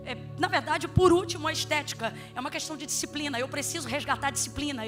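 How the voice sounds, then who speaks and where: A woman preaching a sermon, telling funny stories with sudden shouted peaks. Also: sits high. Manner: animated, humorous storytelling with sudden shouted peaks.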